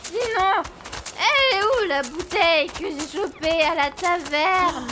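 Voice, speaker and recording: A boozy, queasy pirate who lives for rum, acted by a performer, whining slowly in a very high voice. The style is comic audio drama. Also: lively intonation, background noise, full character voice. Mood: thirsty.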